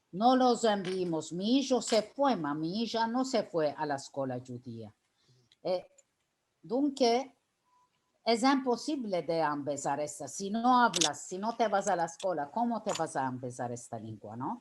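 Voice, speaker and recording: Speaking fairly slowly, a woman at medium pitch makes very wide pitch swings. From Turkey. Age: 60s. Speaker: Ladino-speaking community member. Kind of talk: interview.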